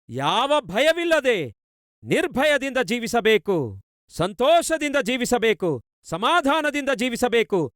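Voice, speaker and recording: A male pastor preaching in Kannada with a Kannada accent, with steady rhythmic repetition and many rhetorical questions. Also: very high-pitched, no echo, clean studio sound. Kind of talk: sermon.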